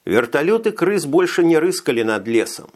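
A man narrating a science fiction audiobook in a steady, measured reading. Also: a little high. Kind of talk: scripted narration.

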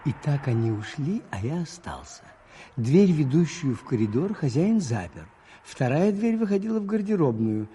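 An actor playing a watchful Catholic priest detective who tells his story in a radio play, measured and suspenseful, with a husky voice. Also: a little high, sing-song, mellow, slight background noise. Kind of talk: radio play acting, first-person narration.

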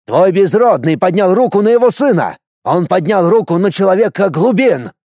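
A man's voice: on the high side, very animated, a little slow, no echo, studio quality. Man doing a raging, pompous tribal warrior. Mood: furious. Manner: shouting, menacing, pompous. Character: boastful tribal warrior man, angry, threatening, arrogant.

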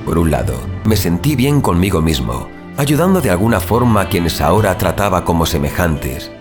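A man plays a tormented superhuman vigilante who recounts his descent into violence in a dark, dramatic horror audio drama. He speaks low and sing-song at normal speed over dramatic background music.

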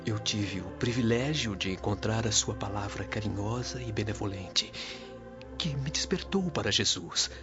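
A Brazilian man playing a gentle, devout early Christian preacher in a radio drama, with a reverent, oratorical, unhurried delivery. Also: fairly low pitch, lively intonation, lightly acted. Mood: fervent, reverent. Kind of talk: dramatic radio soap acting. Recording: dull lo-fi radio drama recording. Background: loud dramatic music.

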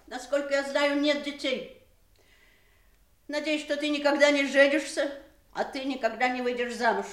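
A woman's voice: high voice, a bit bright. An actress playing an imperious, bitter widowed mother who scorns her grown children, theatrical and cutting in an audio stage drama. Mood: bitter contempt.

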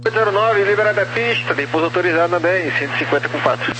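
A Brazilian male tower controller speaks quickly in a high voice. He gives terse clearances over an aviation radio with clear noise and hum. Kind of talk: rapid air traffic radio clearances.

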